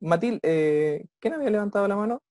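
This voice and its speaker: An English teacher, giving an online class over a video call, who ends nearly every phrase with a checking question and slows down to model English phrases. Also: mid-range voice, expressive, darkish tone, no echo.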